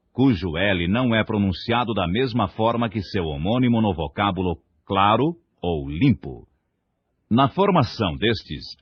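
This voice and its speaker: Low, husky man teaching careful diction. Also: no echo. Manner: careful, precise articulation. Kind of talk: scripted diction lesson narration. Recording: dull lo-fi recording.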